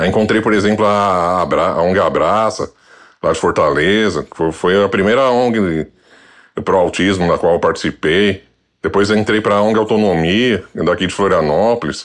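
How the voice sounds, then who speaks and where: Speaking at a moderate pace with ordinary pitch variation and very even loudness, this is a plain, everyday voice. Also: man, fairly low pitch for a man. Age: 40s. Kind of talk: interview.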